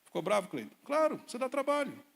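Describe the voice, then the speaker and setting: A man preaching a lively sermon as pastor to a church congregation, asking his listeners pointed rhetorical questions. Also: extremely high pitch, fast talker, gravelly. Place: church service hall. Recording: long hall reverb.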